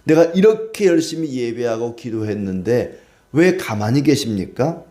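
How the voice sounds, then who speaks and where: A man's voice: mid-range voice, expressive, moderate pace, mellow, natural voice. A male preacher mimicking a whining adult believer who demands things from God. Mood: complaining. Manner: complaining, demanding.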